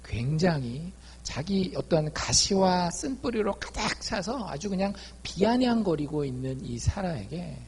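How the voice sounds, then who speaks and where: A man preaching a sermon as a pastor, lively, acting out quoted dialogue in his talk. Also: fairly high pitch, vocal fry, slight background noise. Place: church.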